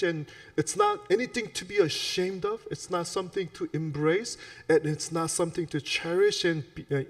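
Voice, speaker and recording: A man's voice: high-pitched, vocal fry, long reverb tail. A man with a Korean accent preaching a sermon in a church, earnest and asking his listeners questions. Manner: earnest, asks the audience questions. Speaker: pastor. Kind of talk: sermon to young adults. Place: church sanctuary.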